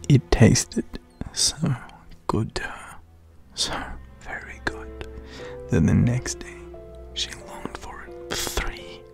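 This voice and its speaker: An Australian man narrates a storybook in a dramatic, unhurried way. His voice is very gravelly and husky, often sinking into a hush, with soft music behind it. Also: mid-range voice, expressive, in a whisper.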